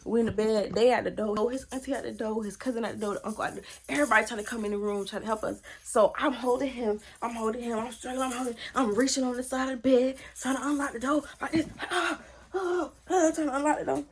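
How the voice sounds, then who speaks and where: A woman telling a personal story to her viewers in a casual vlog, animated and slangy, speaking to them directly. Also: fairly high pitch, fast talker, hardly any pauses, slightly rough. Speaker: storytime vlogger.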